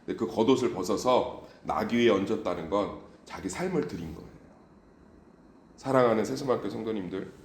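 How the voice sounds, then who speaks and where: Male pastor, exhorting sermon, animated delivery, reverberant church room. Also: on the low side, slight background noise.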